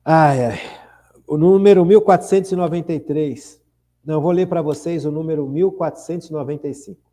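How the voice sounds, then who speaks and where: Older man, sixties, Brazilian accent, warm relaxed tone, fairly high voice, earnest radio host, repeats phrases. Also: a little fast. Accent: Brazilian Portuguese. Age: 60s. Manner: earnest, repeats phrases, asks listeners questions. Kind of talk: reflective spiritual radio talk.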